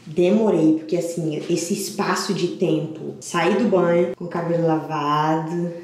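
A woman's voice: deep voice, fairly even intonation, unhurried, a crowd in the background. A young woman with a Brazilian Portuguese accent, vlogging casually at home and talking candidly and directly to her viewers. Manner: chatty, candid, talks straight to viewers. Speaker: lifestyle vlogger. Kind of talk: casual vlog talking to camera. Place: bedroom at home. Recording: echoey room with faint noise.

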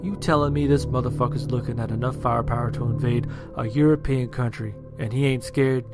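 A man's voice: medium pitch, steady tone, brisk, loud music behind the voice, natural voice. Man acting a belligerent, sneering Marine. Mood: scornful. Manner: incredulous, aggressive, sneering. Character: belligerent, scornful, foul-mouthed Marine.

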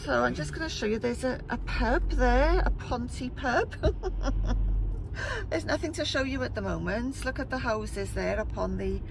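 Middle-aged Welsh woman, talkative travel vlogger, slightly high voice, recorded in a car with heavy road noise. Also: animated, vocal fry. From South Wales. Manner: chatty, rambling, quick to laugh. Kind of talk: casual travel vlog while driving. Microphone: phone camera in the car. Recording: distant car mic with loud road noise.

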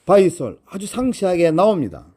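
Man lecturing lively on medicinal herbs. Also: high-pitched, normal speed. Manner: rhetorical questions, addresses viewers directly. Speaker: herbal medicine channel host. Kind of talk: explanatory lecture to viewers.

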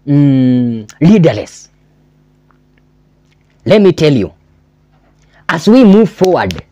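A man's voice: fairly high pitch, dark tone, no room sound. A man in his twenties with a Kenyan accent, giving impassioned, emphatic commentary to camera and repeating phrases for stress. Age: 20s. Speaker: political commentary vlogger. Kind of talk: impassioned commentary to camera, mixing English and Swahili. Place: small indoor room with a backdrop, armchair.

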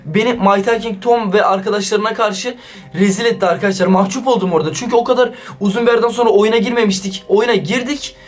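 A man vlogging over a phone game, excitable and slangy, often turning to talk straight to his viewers. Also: high voice, quick pace. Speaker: YouTuber. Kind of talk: casual gaming vlog commentary.

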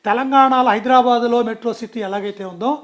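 High-voiced man, emphatic guest. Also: fairly quick, a bit bright. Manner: emphatic, with many restarts and self-corrections. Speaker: political guest. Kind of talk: political interview.

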